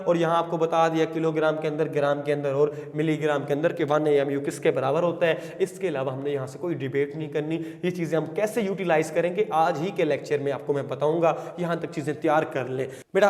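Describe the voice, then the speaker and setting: High-voiced man teaching in a reverberant room. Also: darkish tone. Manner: addresses students as "beta", asks and answers own questions; dictates definitions slowly word by word. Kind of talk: classroom lecture.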